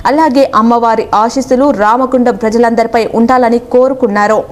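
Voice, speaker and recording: Brief: female local news reader, Telugu accent, slightly high voice, formal steady delivery. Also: brisk, crowd noise. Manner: steady formal reading of names. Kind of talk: scripted news narration.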